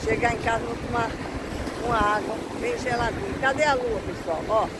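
A woman's voice: on the high side, moderate pace. A woman, chatting casually to viewers while walking along a seaside promenade at night, holding the camera at arm's length. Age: 60s. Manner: chatty, pointing things out to viewers while strolling. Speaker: vlogger. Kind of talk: casual walking vlog narration. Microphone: camera held at arm's length. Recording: loud wind and traffic noise outdoors.

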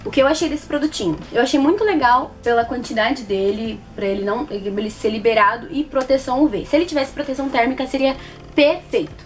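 High-pitched, expressive Brazilian woman. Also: fast, a little hiss or hum. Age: 20s. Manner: expressive, repeats words for emphasis. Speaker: beauty vlogger reviewing products. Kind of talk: casual chat to camera. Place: small plain indoor room.

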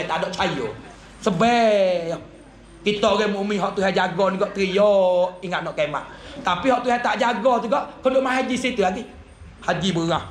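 High-voiced preacher with a Kelantan-Patani Malay accent. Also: male voice, fairly bright tone. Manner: storytelling preacher, dramatic drops in voice. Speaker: religious teacher. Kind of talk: sermon. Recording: echoey room.

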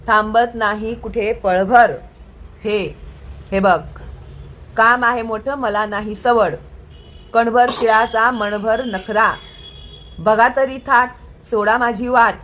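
A woman teacher speaks at a middle pitch in a slow, patient, singsong manner, often checking that the child is following. A faint hiss of background noise sits under her voice. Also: a bit bright. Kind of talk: Marathi lesson for young children.

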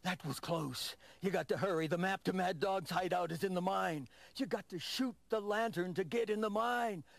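An older man playing a friendly old prospector in a Wild West game, with a gravelly old-timer drawl. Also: high-pitched, normal speed, few pauses, no echo. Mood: urgent, grateful. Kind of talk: live-action western game acting. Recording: noisy, compressed old video game audio.

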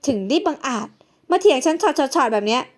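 A spoiled, high-voiced young soap star, put on by a storyteller, snapping and sneering at anyone beneath her. She sulks sweetly for those she favors. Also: expressive, brisk. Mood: scornful. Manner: snappy, scornful, whiny.

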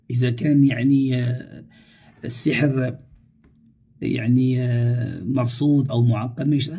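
A man's voice: medium pitch, dark tone, breathy edge. A man with a Moroccan Arabic accent, answering viewers' questions on a live stream and reading them aloud with frequent pious phrases.

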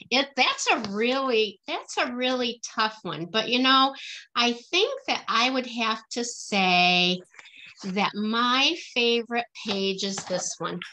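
Bright-voiced middle-aged woman, fairly high. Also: rough recording. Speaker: guest author. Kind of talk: casual question-and-answer chat for children. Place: small indoor room at home. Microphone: computer mic on a video call.

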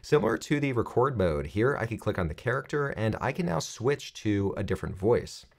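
A man in his thirties presenting a software tutorial, explaining things clearly step by step. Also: lowish voice, sing-song, brisk.

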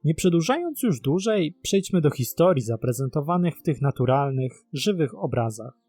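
Husky male storyteller, lively intonation. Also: on the high side, normal speed, faint music behind. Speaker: narrator of a mystery web series. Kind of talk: scripted documentary storytelling narration.

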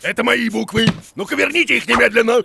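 Gravelly, blustering cartoon monster teacher. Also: male voice, very high voice, fast talker, music in the background, heavily acted. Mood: indignant. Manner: pompous, blustering, exclamatory. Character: grumpy, pompous bearded monster teacher, adult, comically fussy. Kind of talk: children's cartoon voice acting.

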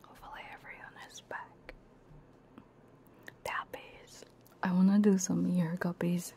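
A woman doing casual ASMR livestream chat in a soft, playful manner, right up close on a binaural ear microphone. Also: lowish voice, level tone, unhurried, gravelly. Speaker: ASMR streamer.

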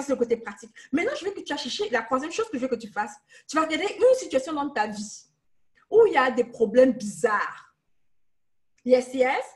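A young woman with a slightly high voice leads a Bible study, seated in her living room and speaking into a webcam. She teaches with emphasis, repeating key phrases over and over and dropping in English words as she goes. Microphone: webcam on a video call.

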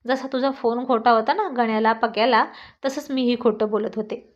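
A woman's voice: fairly high pitch, steady tone, moderate pace, close to an everyday voice. A woman voicing a shy, fond young wife. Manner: gentle, fondly scolding. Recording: dull lo-fi recording.

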